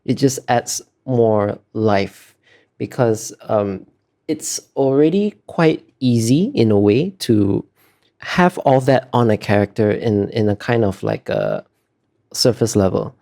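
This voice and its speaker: Man, creaky voice, relaxed dark tone, hesitant, earnest, thoughtful interview answers. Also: fairly low pitch, slow. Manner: hesitant, searching for words, earnest. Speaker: illustrator being interviewed.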